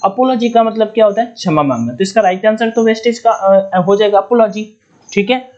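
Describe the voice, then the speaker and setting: Spelling out each word letter by letter and going over key points more than once, a Hindi-accented Indian man leads an online exam-prep lesson on English vocabulary. He speaks briskly in a high-sitting, darkish voice, and the recording is muffled.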